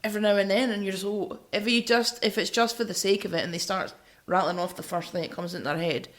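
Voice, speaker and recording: A woman's voice: medium pitch, fairly even intonation, fast talker. A woman co-hosting a music podcast, chatting casually and giving opinions emphatically in short phrases.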